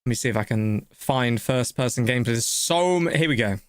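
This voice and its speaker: A male streamer reacting live, excited and rambling with many restarts. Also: mid-range voice, brisk, clean tone, dry recording.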